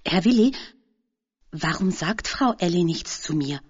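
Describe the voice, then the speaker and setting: An eager, chatty young boy skateboarder from a storybook, his voice set a little low and husky, as a woman narrator puts him on. He talks quickly and keenly, full of slang. The recording sounds dull and lo-fi. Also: lively intonation, soft background music.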